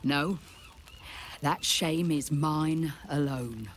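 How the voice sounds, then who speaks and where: A woman's voice: sits low, drawn-out words, a little hiss or hum. A woman playing a proud, stoic tribal leader in mourning in a video game, stern and ceremonial. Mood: stern, ashamed. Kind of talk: video game character acting.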